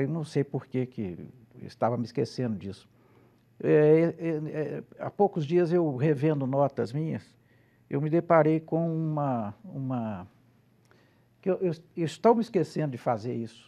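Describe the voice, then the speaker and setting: A man's fairly high-pitched voice with a dark, mellow tone, moderate pace and long, frequent pauses against a quiet background. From Belo Horizonte, Minas Gerais, Brazil. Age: 70s. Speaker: singer-songwriter and lawyer; lawyer. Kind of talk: casual talk show chat. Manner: halting, repetitive. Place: studio. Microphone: lapel.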